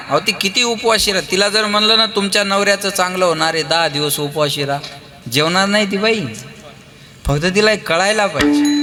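A man with a Marathi accent preaching a devotional kirtan sermon, telling lively family stories, acting out their voices and calling on the crowd to answer. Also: sits high. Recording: long hall reverb with live music.

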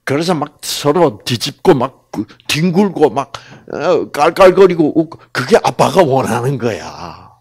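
A man giving a religious lecture to an audience, animated, asking rhetorical questions and acting out the people in his stories. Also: medium pitch, unhurried, hardly any pauses, breathy edge, no room sound. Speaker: health lecturer.

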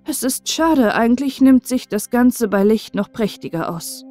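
A woman's voice: a little high, animated, unhurried, warm tone, faint music behind. A woman voicing a proud, passionate young male sculptor in an audiobook fairy tale, reading his lines with impassioned pleading.

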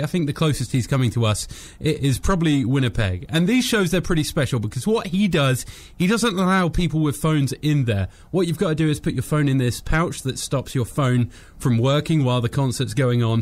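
A young man hosting afternoon music radio with upbeat DJ links, speaking close to a studio microphone. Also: on the high side. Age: young adult. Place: small padded radio studio. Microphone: close studio microphone on boom arm. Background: music bed.

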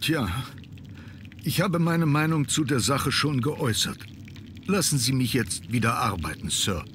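A weary, deferential butler in a mystery adventure game. His mid-pitched voice rises and falls widely while staying formal and evasive. Some background noise sits behind it. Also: lively intonation, unhurried, fairly bright tone. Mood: resigned, dismissive. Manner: formal, resigned. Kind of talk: scripted adventure game dialogue.

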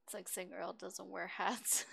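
A woman's voice: mid-range voice, creaky, a bit bright, breathy edge. A woman giving casual, reactive live commentary as she streams a video game.

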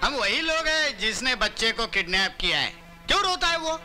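An actor playing a rough, bossy male kidnapper in a comedy film, mocking and impatient. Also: very high voice, very animated, normal speed, bright, forceful tone, faint music behind, exaggerated voice. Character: brash bullying male kidnapper. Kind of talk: 1990s Hindi film comedy acting.

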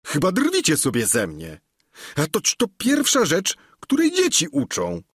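A man voicing an excitable peasant squire. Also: a little high, a little slow, husky, no echo, studio quality, heavily acted. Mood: exasperated. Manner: pleading, insistent, excitable. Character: simple talkative peasant squire, older man.

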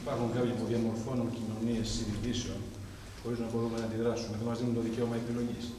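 A man in the audience making quick remarks during a talk. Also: medium pitch, little pitch movement, crowd noise. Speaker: audience member. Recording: distant in an echoing hall.

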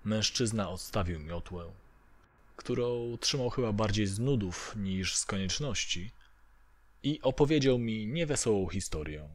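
Low-pitched male horror story narrator. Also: animated, measured pace. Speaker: narrator of audio horror stories. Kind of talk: scripted narration of a first-person horror story.

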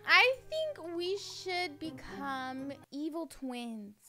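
A woman's voice: high-pitched, sing-song, very slow, over music. A young woman hosting a game video, chatting playfully in role-play with giggly, exaggerated reactions. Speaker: gaming video host. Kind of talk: casual role-play chat while gaming.

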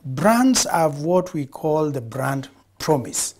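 A man's voice: on the high side, big pitch swings, slow pace, a little mellow. A middle-aged Kenyan man, a guest on a studio TV interview, speaking expansively and repeating phrases for emphasis. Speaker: guest, founder of a production studio. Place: TV studio set.

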